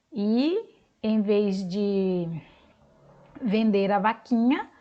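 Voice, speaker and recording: A Brazilian woman teaching a recorded video lesson to young children, speaking slowly in a sing-song teacher manner and clapping out syllables. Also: medium pitch, warm tone, lo-fi sound. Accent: Brazilian Portuguese.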